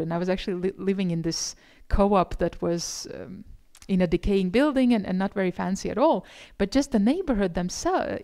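A woman speaks with a gravelly creak and a soft, dark tone. She presents like an academic at a conference, reflective and thoughtful, often restarting her phrases as she explains. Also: medium pitch. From Eastern Europe. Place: indoor conference room, presenting in front of slides.

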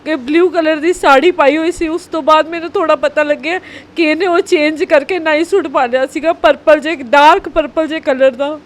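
A woman, a tearful and upset mother answering a reporter's questions in halting, repeated phrases. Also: high-pitched, steady tone. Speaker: mother of a missing girl.

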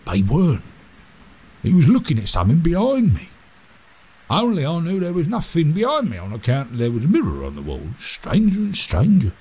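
An actor playing a chatty, cagey British servant in an audio drama, speaking in a halting, colloquial, animated way. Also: male voice, fairly high pitch, husky, full character voice, poor audio. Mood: confiding. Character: chatty, cagey servant man, obsequious yet scheming. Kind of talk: audio drama monologue and dialogue.

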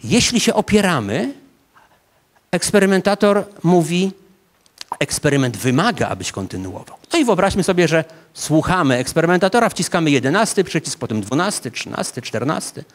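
A man in his fifties lectures a seated audience in an ornate hall, speaking into a handheld microphone. He has a fairly high voice for a man and walks his listeners through the scene like a story, addressing them directly. Small "e" hesitations break up his sentences. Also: sing-song, normal speed. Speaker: psychology professor lecturing. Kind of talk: public science lecture.

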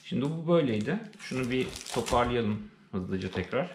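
A man's voice: medium pitch, animated, moderate pace. A man with a Turkish accent giving casual, unscripted unboxing commentary, thinking aloud hesitantly as he goes. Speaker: unboxing presenter. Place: indoors, living room. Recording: roomy, echoey sound with faint noise.

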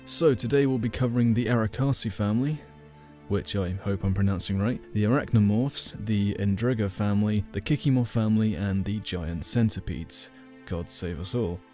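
A man's voice: lowish voice, normal speed, darkish tone. A man narrating a video game lore explainer in a casual way, adding dry joking asides. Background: faint game soundtrack music.

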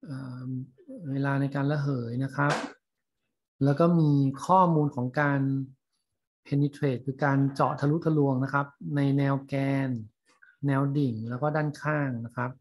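A man teaching a class, explaining English terms in a scientific paper slowly with frequent fillers and pauses. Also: mid-range voice, steady tone. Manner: slow, halting, many fillers. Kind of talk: lecture on reading scientific English.

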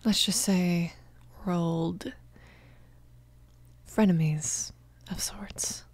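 Woman acting a breathy, protective mafia boss. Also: lowish voice, fairly even intonation, very slow, darkish tone. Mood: tender, reassuring. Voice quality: breathy, often half-whispered. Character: young female mafia boss, fiercely protective, tender, commanding. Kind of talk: ASMR romance roleplay.

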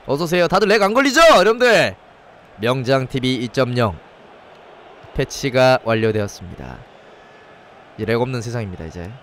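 A man streaming a football game live with a head cold and sore throat, joking in a mock nightclub-waiter patter and shouting excitedly at shots on goal. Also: medium pitch, normal speed, pauses often, a little hiss or hum. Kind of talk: live gameplay commentary.

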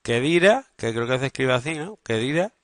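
Bantering with his class and cracking football jokes, a secondary school English teacher goes over grammar in a school classroom. He speaks briskly, with lively intonation and a fairly bright, mid-range tone in studio quality with no room sound.

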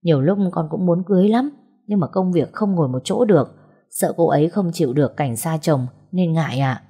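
A woman voicing a caring young man who jokes with his parents, in her own low, warm voice. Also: animated, brisk, breathy edge, full character voice. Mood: polite. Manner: joking, polite to parents.

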